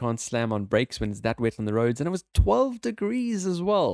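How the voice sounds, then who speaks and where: The voice has a dark, mellow tone and a fairly quick pace, recorded with a dry, close sound and no echo. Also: man. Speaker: podcast co-host. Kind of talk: casual chat. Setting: video call recorded for YouTube.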